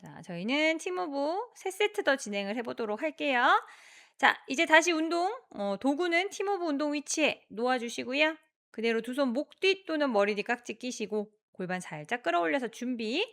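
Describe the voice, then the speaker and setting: A woman exercise instructor guiding a workout, giving encouraging cues and counting reps aloud in a steady rhythm. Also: sits high, normal speed.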